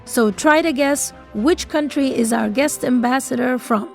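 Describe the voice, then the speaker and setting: A woman's voice: sits high, a little slow, creaky, faint music behind. A woman hosting a radio interview, asking friendly, informal questions. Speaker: radio host.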